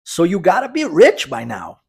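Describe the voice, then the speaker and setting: A man's voice: sits high, wildly swooping pitch, gravelly, darkish tone, slightly rough. Upbeat Brazilian man teaching English. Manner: upbeat, drills phrases slowly for repetition. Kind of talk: English lesson for Portuguese speakers.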